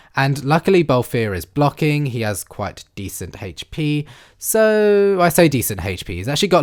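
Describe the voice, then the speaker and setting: On a very clean recording with a silent background, a man with a British accent and a fairly high pitch talks at a moderate pace with very wide pitch swings. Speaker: gaming YouTuber. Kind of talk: gameplay commentary. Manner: animated.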